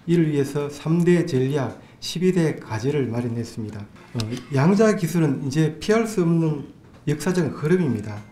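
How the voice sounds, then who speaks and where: Official guy briefing the press, formal but pausing a lot with uh's, warm low-key tone, roomy echo. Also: expressive. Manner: formal, with frequent hesitation fillers. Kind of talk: official announcement. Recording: echoey room with faint hum.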